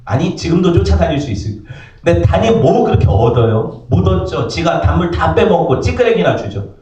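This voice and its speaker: A pastor preaches a lively sermon in a church sanctuary, acting out the voices in his stories and asking the congregation "그죠?". His fairly high voice moves fairly quickly. The sound is lo-fi, caught by a distant mic in an echoey church hall.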